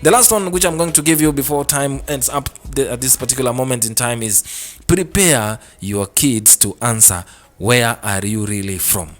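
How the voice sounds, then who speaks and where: A man's voice: mid-range voice, moderate pace. A man hosting a radio advice segment, speaking earnestly and repeating his points to parents and children listening. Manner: earnest, repetitive, addresses parents and kids directly. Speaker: radio show host. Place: radio studio.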